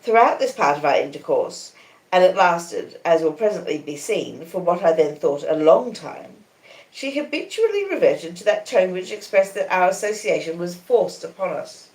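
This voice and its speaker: Australian female storyteller, lowish register, dramatic measured literary read, noticeably reverberant room. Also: big pitch swings, darkish tone. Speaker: audiobook reader on a live stream. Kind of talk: expressive literary narration of a classic novel. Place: conservatory in a small cottage. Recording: roomy, echoing conservatory sound.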